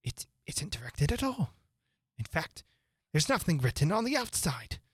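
A performer voicing a nervous, deferential White Rabbit court official in a storybook reading, fussy and hurried in manner. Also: medium pitch, big pitch swings, slightly rough, no room sound, clean studio sound, pitched above the performer's own voice. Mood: flustered, respectful.

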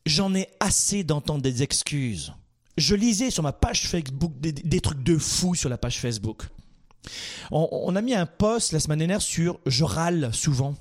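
A man's voice: a little high, lively intonation, moderate pace. A man hosting a motivational call-in show, addressing listeners directly in an emphatic, exhorting style with rhetorical questions.

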